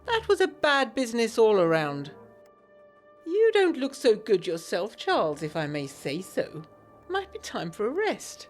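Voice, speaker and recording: A woman voicing a suave gentleman scholar who needles in a genteel, insinuating way, in a period audio drama. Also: high-pitched, huge pitch swings, measured pace, faint music behind, voice pushed up, full character voice. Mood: needling. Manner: genteel, teasing, smoothly insinuating.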